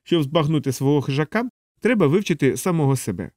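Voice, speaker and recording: A man's voice: on the high side, lively intonation, quick pace, darkish tone, no echo, clean studio sound, voice pushed up, lightly acted. A man voicing a fussy male alien helper who lectures at length, in an audiobook. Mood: lecturing. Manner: didactic, explaining at length. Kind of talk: audiobook character voice.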